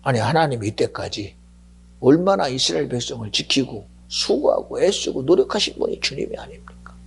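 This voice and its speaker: A male pastor preaching a sermon in a gravelly, very raspy voice, dropping to hushed whispers and then rising to shouts. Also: medium pitch, expressive, a little fast.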